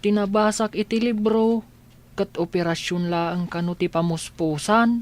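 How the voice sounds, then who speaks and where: A woman's voice: lowish voice, fairly even intonation, normal speed, natural voice. A woman playing a young blind daughter, worried and hopeful about her sight. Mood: anxious. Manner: worried, pleading. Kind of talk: Ilocano family drama acting.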